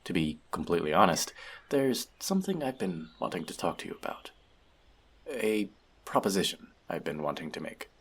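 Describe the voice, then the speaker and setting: A man's voice: low voice, big pitch swings, normal speed, breathy edge, full character voice. A man playing an earnest, bookish elf outcast in an audio roleplay, confiding in a friend in a hesitant, self-doubting way. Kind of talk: scripted audio roleplay addressed to the listener.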